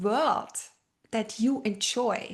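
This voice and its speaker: A woman talks with a non-native accent. Her pitch varies in an ordinary way. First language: not English. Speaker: branding coach. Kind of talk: podcast interview. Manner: halting, many fillers.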